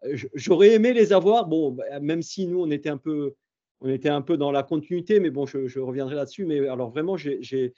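A man in his fifties presents over a video call, full of praise and stumbling over his own restarts. His tone is mellow and dark. The audio is slightly muffled. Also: on the high side, a little fast. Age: 50s. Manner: effusive, stammering restarts. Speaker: university professor presenting his project. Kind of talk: online presentation.

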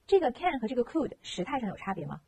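Woman, English teacher, Mandarin Chinese accent, very lively intonation, faint background hiss. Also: on the high side. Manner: animated, rhetorical questions, reads example sentences aloud slowly. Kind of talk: lively classroom-style lesson explaining English grammar.

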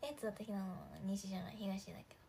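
A woman's voice: medium pitch, very fast, dark tone, slight background noise. A young woman chatting casually on a livestream, giggling often and talking to viewers' comments. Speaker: idol livestream host.

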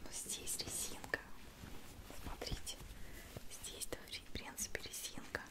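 A woman in her thirties whispers softly right into the listener's ear in a close-miked, gushing, affectionate ASMR chat. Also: slow. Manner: gushing, affectionate, fond of diminutives. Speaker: ASMR video host. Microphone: large studio microphone right at the mouth.

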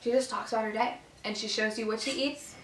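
A woman in her twenties chatting casually to camera over a meal, informal and animated, chewing as she talks. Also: fairly high pitch, fast. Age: 20s. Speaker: vlogger. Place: small bedroom, indoors. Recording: echoey room sound.

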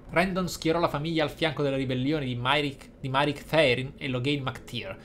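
In a role-play gaming video, a male host with a medium-pitched, fairly bright voice provides reflective, explanatory commentary and reads some in-game text aloud. Faint noise and game ambience accompany him.

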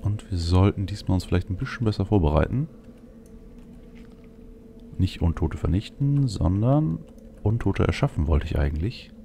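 A man's voice: low-pitched, expressive, normal speed, vocal fry, long pauses, warm tone, a little hiss or hum. A man giving casual video game commentary as a let's play host, thinking aloud as he goes. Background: faint game ambience.

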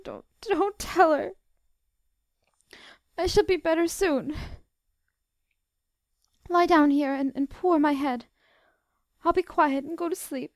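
A woman reading a storybook, voicing a gentle, fragile teenage girl, tearful and sobbing. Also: high-pitched, slow, long pauses, dry recording, clean studio sound, pitched above the performer's own voice.

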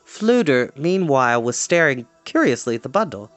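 A young man tells a fantasy story in an expressive read-aloud style. His pitch is medium and moves about freely, close on the mic in a small room at home. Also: moderate pace, no echo. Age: young adult.

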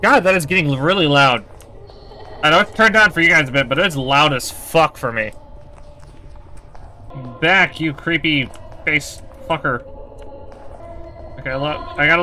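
Bright-voiced, uneasy male horror game streamer. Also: a little high, fairly quick, soft background music. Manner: uneasy, sweary, muttering taunts at the monster. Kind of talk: casual horror game play commentary.

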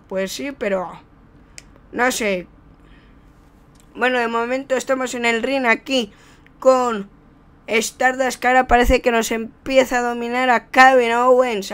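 Casting: Spaniard with a clean, smooth voice for off-the-cuff wrestling commentary on video game play, excitable play-by-play delivery. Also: mid-range voice. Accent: Spain. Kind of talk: improvised gameplay commentary.

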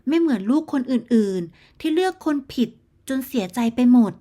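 A woman's voice: lively intonation, normal speed, darkish tone. A woman doing a smug gossiping auntie. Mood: smug boasting. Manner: smug, shrill, bragging about her daughter. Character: boastful gossiping middle-aged neighborhood auntie. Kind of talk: storybook character voice.

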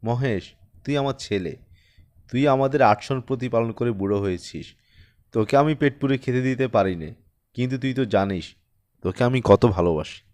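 A man voicing a poor, weary village farmer father who speaks in a soft, hushed, pleading way in an audiobook. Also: medium pitch, moderate pace, lightly acted. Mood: tender. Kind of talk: audiobook character reading.

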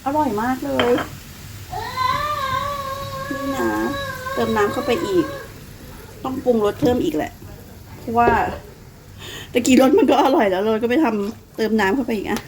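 A Northeastern Thai woman in her thirties chats her way through a home cooking vlog, her voice a bit higher than most. She has a slight cough with phlegm, and a faint hiss of room noise sits under her voice. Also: animated, moderate pace, long pauses. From Thailand. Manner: chatty, talks about herself by her own nickname. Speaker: cooking vlogger.

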